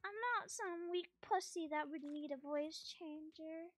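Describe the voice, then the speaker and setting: A woman's voice: high voice, fairly even intonation, a little slow, dry recording. A woman streaming a game and chatting playfully with her viewers, joking around as she plays. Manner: playful, joking, talking to chat. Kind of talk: casual gaming stream chat. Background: faint background music.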